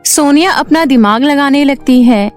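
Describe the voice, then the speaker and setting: A woman reading scripted narration for an animated children's moral story. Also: high-pitched, a little slow. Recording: music behind the voice.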